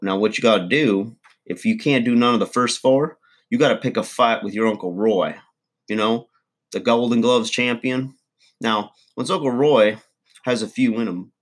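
A man doing a rowdy redneck uncle. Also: lowish voice. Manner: rambling, folksy, crude, drawling. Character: folksy rowdy redneck uncle, middle-aged man, crude and boastful. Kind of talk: comedy character monologue.

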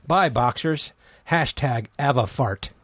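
A man with a medium-pitched voice. He banters as a casual comedic interviewer, moving between chat and reading things aloud. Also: slow, noisy background.

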